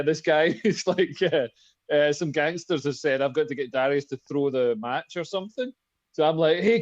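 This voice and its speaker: A man's voice: fairly high pitch, dull audio. A man chatting casually on a comedy podcast, telling rambling, sweary, self-mocking anecdotes.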